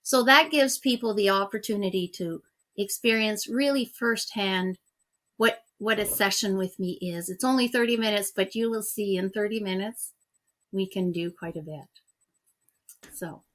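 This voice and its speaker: A woman's voice: mid-range voice, normal speed, fairly bright tone. A woman whose first language is French, talking earnestly as a guest in a conversational interview. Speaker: interview guest, EFT practitioner.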